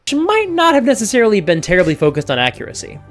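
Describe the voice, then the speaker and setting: Quick, higher-voiced man explaining over music. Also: huge pitch swings. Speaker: video essayist. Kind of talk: explanatory video commentary.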